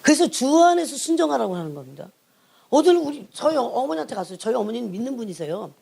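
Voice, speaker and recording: A middle-aged woman, an evangelist, preaching an emphatic sermon that keeps prodding her listeners and drops to hushed asides. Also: on the high side, very animated, fast talker, gravelly, husky. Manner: emphatic, prods the congregation with repeated "예?"; swings between raised emphasis and hushed asides. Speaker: church evangelist, prayer team leader.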